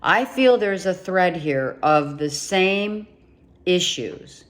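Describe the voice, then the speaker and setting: A low-pitched woman speaks slowly and deliberately as she lays out a tarot reading for her viewers. She repeats key points for emphasis and addresses the listener directly. Her voice is wearing thin and turning hoarse. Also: lively intonation. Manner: emphatic, repeats herself, talks straight to the viewer. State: losing her voice, coughing. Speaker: tarot reader.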